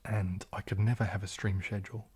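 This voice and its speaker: Hushed, breathy low-voiced New Zealand man. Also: little pitch movement, brisk. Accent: New Zealand, soft, often taken for British. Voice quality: hushed, breathy, often slipping into whisper. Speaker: ASMR YouTuber hosting a live stream. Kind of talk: ASMR livestream chat, reading and answering viewer comments.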